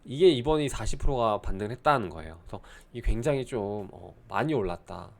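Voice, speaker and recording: A young man giving casual crypto market commentary, explaining at length with many hesitant fillers. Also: mid-range voice. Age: young adult.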